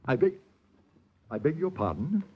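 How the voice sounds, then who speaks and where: An actor playing a grandiose, easily flustered movie studio boss in a vintage radio drama. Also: male voice, on the high side, sing-song, normal speed, slightly rough, narrow, tinny audio. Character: pompous excitable middle-aged male studio boss.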